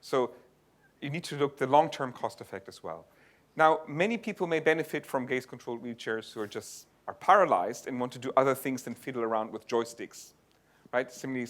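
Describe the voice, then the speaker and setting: Male conference speaker, bright and forward tone, explanatory delivery with restarts, presenting tech research and fielding questions. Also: medium pitch. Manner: explanatory, thinks aloud with restarts. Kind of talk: tech talk and audience Q&A. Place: lecture venue.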